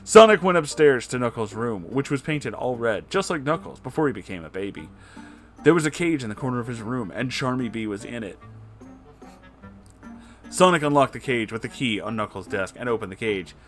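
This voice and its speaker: A man with a mid-range, very animated voice reads a story for laughs. He is mock-serious and amused, dropping in dry asides. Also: medium pitch, fairly quick, faint music behind. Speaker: reader. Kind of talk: comedic dramatic reading of fan fiction.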